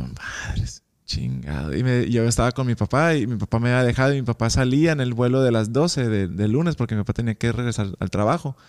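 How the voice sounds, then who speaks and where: A man's voice: mid-range voice, clean tone. A young Mexican man with a Mexican accent, a guest telling a personal story in a casual interview and acting out the dialogue. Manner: animated, acts out quoted dialogue.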